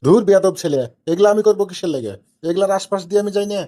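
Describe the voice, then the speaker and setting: A man's voice: high voice, very fast, heavy background noise, close to an everyday voice. Wily village father-in-law played by a man, Rajshahi Bengali accent, teasing and questioning, for cartoon comedy. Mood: indignant banter. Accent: Rajshahi Bangladeshi Bengali. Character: wily, bantering village father-in-law who tests people. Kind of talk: amateur cartoon comedy dialogue.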